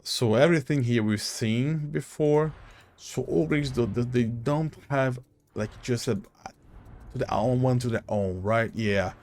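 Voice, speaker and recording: A man giving casual video game commentary as host, halting and thinking aloud as he goes. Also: mid-range voice, darkish tone.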